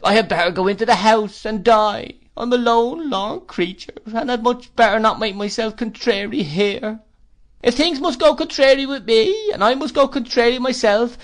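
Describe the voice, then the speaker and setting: A man's voice: very high voice, pitched above the performer's own voice. A man reading aloud voices a tearful, self-pitying older widow who laments in a plaintive, wailing way. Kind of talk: audiobook character voice.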